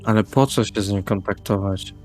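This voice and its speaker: A man speaks casually as a player in a tabletop role-playing session. His voice is on the low side, over faint background music. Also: normal speed, a little mellow. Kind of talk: casual in-character table talk.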